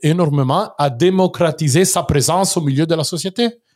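An Italian accent in a very clean recording with a silent background. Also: man. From Italy (Genoa). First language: Italian (speaking French). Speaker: journalist, magazine director. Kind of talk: interview. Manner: halting.

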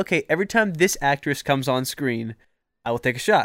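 An ordinary speaking voice from a man in an American accent, fairly high for a man, with ordinary pitch variation and a fairly quick pace, in a dry, close sound with no echo on a very clean recording with a silent background. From Philadelphia, US. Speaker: singer. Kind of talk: casual chat.

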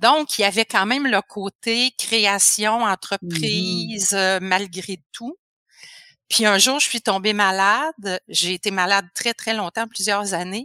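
A woman at medium pitch speaks very slowly, with ordinary pitch variation and a bright, sharp tone. The sound is dry and close with no echo, in a very clean recording with a silent background. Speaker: voice coach. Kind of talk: interview.

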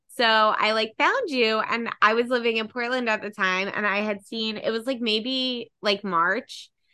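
A woman speaks with a Philadelphia accent, her pitch fairly high and her tone bright and sharp. She talks at a fairly slow pace with fairly even intonation against a quiet background. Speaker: podcast host. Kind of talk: casual chat. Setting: video call.

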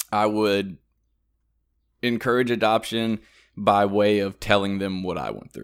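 A man with a Southern US accent at fairly low pitch, a fairly slow pace with long, frequent pauses, big swings in loudness, fairly even intonation, and a very clean recording against a silent background. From US South. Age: 30s. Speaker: guest sharing abortion experience. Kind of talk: testimony.

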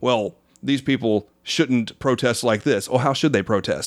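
A man speaks at a moderate pace with an Oklahoma accent. The recording is very clean, with a silent background. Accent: Oklahoma twang. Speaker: podcast host. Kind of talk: casual interview conversation.

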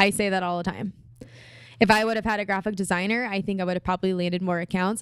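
A woman speaks in a plain, everyday voice at medium pitch, with fairly even intonation and a dry, close sound with no echo. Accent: American. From US West Coast, San Diego. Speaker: marketing agency owner. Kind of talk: casual chat.

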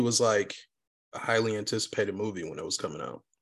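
A man speaks at a fairly low pitch with vocal fry. The recording is very clean, with a silent background. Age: 30s. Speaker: podcast guest, gamer. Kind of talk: casual chat.

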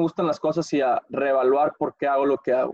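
A man with a plain, everyday voice. He has a fairly high pitch and fairly even intonation. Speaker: competitive swimmer. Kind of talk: casual chat.

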